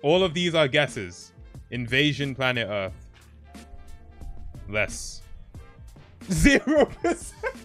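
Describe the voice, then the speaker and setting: A man reacting excitedly on a live stream, laughing often and swearing. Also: medium pitch, slow, long pauses, faint music behind.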